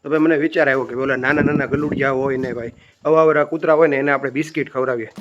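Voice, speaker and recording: A man's voice: mid-range voice, fairly even intonation, fast talker, muffled recording, noisy background. A young man with a Gujarati accent, chatting casually to viewers in a family vlog. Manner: chatty, addresses viewers as friends and brother. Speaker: family vlogger. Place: outdoors on village roads.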